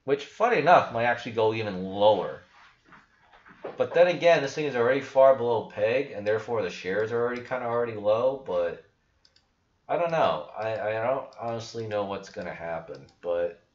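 Recorded in a small, echoey room with dull, lo-fi audio, a young crypto-channel host speaks in a fairly low, animated voice at a moderate pace. Over his screen share he stays casual, blunt and doubtful, rambling and starting sentences over.

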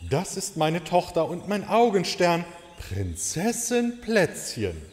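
An indulgent maharaja dad, highish lively voice, placating, echoey hall. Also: male voice, slow, full character voice. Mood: apologetic. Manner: polite, placating, authoritative. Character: indulgent, apologetic male ruler and doting father. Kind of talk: German audio drama acting. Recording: reverberant hall.

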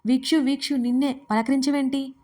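A woman voicing an anxious, bossy young man who scolds loudly on a late-night phone call. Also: on the high side, level tone, fast talker, far from the mic, lightly acted. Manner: loud and scolding.

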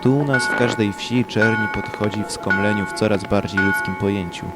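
A man's voice: fairly low pitch, steady tone, normal speed. A man reciting scripted poetry for an audio drama, with music behind him. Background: loud music.

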